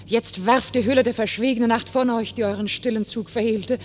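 An actress playing a young, divinely inspired warrior maiden in a classic radio drama, speaking solemn, impassioned verse in a commanding way. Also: female voice, on the high side, steady tone, brisk, slight background noise, natural voice. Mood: rousing. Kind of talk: classic German radio play, declaimed stage verse.

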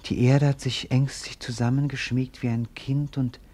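An actor playing a bored, melancholy young prince in a radio play, declaiming lyrically. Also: male voice, medium pitch, little pitch movement, normal speed, dark tone, close to an everyday voice. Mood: brooding, awed. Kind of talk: theatrical German radio play acting.

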